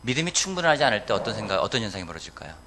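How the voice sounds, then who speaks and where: Questioning man preaching, lively pitch. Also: very fast, background noise. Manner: asks the congregation questions and answers them. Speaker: pastor. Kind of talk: sermon. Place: church sanctuary.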